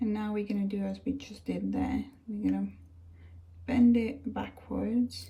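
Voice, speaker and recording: Over noticeable background noise, a woman speaks with a non-native accent. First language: not English. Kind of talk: tutorial. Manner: casual, slightly halting.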